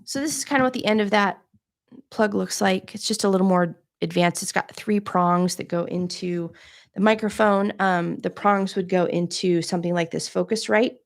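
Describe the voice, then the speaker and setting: A soft-voiced woman hosting a live podcasting Q&A, chatting casually while she shows gear on camera. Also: medium pitch, fairly even intonation, normal speed, creaky, dry recording, clean studio sound. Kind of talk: casual live-stream tutorial.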